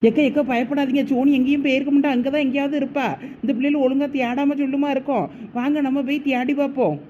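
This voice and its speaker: A woman, acting a brisk, reassuring village neighbour in a comedy-drama, on a dull lo-fi recording. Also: high voice, steady tone, mellow, slight background noise, close to an everyday voice.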